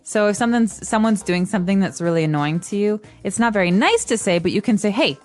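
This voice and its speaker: A woman's voice: mid-range voice, animated, fast, darkish tone, soft background music. A woman co-hosting an English-learning podcast, explaining phrases casually with everyday examples and acted-out sample lines. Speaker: podcast co-host, English teacher. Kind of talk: casual teaching chat.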